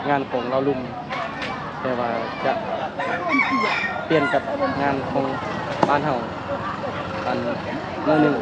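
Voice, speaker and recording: A man with a Lao accent vlogging casually at a village wedding, chatting with the locals and asking them questions. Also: mid-range voice. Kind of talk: casual vlog narration and chat. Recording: muffled, busy crowd and noise.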